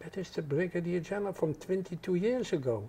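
A man with a Dutch accent, dark, mellow tone, lively intonation and moderate pace. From Netherlands, Amsterdam. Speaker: Holocaust survivor, former resistance member; interviewee. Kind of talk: interview answer. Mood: calm, reflective storytelling. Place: home room. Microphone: lapel.

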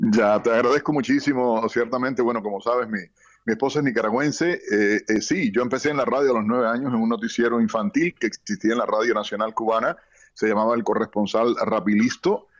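With very even loudness, a man talks at a fairly quick pace in a medium pitch with ordinary pitch variation. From Cuba. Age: 50s. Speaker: journalist and broadcaster. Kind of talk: interview. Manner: animated.

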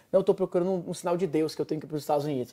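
A man's high-pitched voice with a dark, mellow tone against a quiet background. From Brazil, Ceará (Fortaleza); Ceará, Brazil. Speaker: digital marketing entrepreneur; interview guest. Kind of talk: interview. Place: home room. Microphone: lapel.

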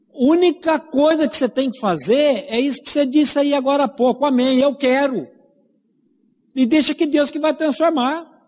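At a moderate pace, a man speaks with fairly even intonation and an extremely high pitch. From Brazil. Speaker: preacher. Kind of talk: sermon. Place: church. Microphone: handheld.

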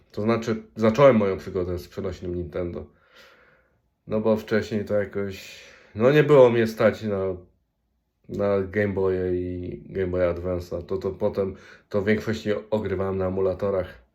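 A man talks at a moderate pace in a fairly low pitch with fairly even intonation. His tone is dark and mellow, and the background is quiet. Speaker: gaming YouTuber. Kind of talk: casual vlog monologue. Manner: halting, frequent restarts. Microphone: phone microphone.

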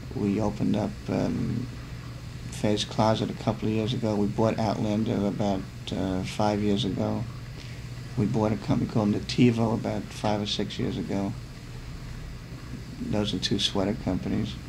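Over noticeable background noise, a man speaks at a moderate pace and fairly low pitch with ordinary pitch variation and long, frequent pauses. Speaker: interviewee. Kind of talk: interview answer. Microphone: old recording.

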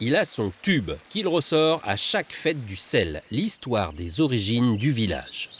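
A man speaks at a fairly slow pace with hardly any pauses, his pitch making very wide swings. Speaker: TV reporter narrator. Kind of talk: TV documentary narration.

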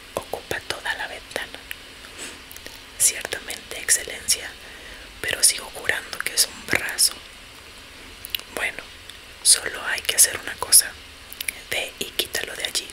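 A soft-spoken woman whispers at a fairly slow pace with long, frequent pauses over noticeable background noise. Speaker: storyteller. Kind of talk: audiobook-style story reading. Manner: soft ASMR whisper, reading character dialogue.

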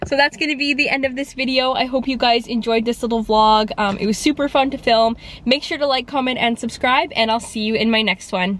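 A woman's high-pitched voice at a fairly quick pace, fairly even in intonation, dry with no echo, over music in the background. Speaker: vlogger. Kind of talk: casual vlog chat. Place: car. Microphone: phone near.

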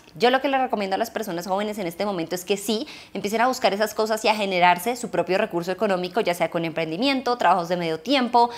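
Lively intonation marks the woman's speech. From Colombia. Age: 20s. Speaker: YouTuber. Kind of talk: vlog monologue. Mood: warm, reflective. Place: home room.

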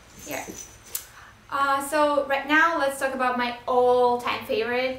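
A woman speaks at a high pitch. Audible room echo and light background noise surround her voice. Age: 20s. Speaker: vlogger and new mother. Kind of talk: product review vlog. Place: home room. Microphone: camera far.

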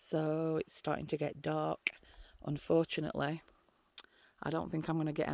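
Delivered at a moderate pace, the speech has a dry sound with no echo. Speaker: hiker vlogger. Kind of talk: casual vlog chat. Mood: calm, awed. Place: open country. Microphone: phone near.

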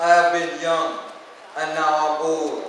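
A man speaks fairly slowly in a flat monotone, with strong room echo and noticeable background noise. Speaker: evangelist preacher. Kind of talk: Sabbath youth sermon in church, scripture-reading exhortation. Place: church. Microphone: podium.

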